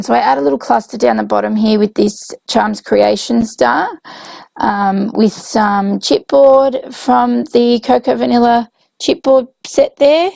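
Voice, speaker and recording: A woman with a young child, hoarse from illness, casually narrating her scrapbook process with lots of ums and self-corrections. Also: a little high, dark tone, no echo. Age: adult with a young child. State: hoarse, voice coming and going from illness. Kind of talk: casual voice-over narration of a craft video.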